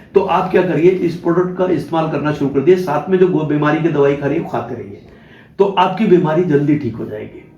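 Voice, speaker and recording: Over noticeable background noise and audible room echo, a man speaks in a high voice with ordinary pitch variation. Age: 60s. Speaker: natural farming promoter. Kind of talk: sales pitch.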